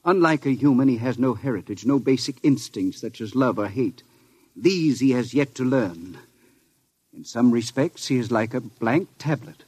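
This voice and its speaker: An actor playing a secretive, proud older scientist in an old radio drama, formal, precise and earnest. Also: male voice, medium pitch, expressive, normal speed, a little mellow, slightly rough, dry recording. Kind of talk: 1950s radio drama acting.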